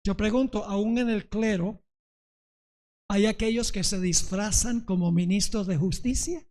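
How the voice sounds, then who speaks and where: Preaching at a slightly slow pace, a male pastor with a high, steady, darkish-toned voice retells a parable with drama. Throughout the sermon he checks again and again that the congregation understands him.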